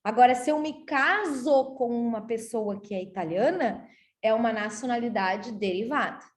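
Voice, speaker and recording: Chatty Brazilian woman lecturing, high voice. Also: normal speed. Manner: chatty and explanatory, tags sentences with "tá?". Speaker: law lecturer. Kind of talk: university lecture to a class. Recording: roomy echo.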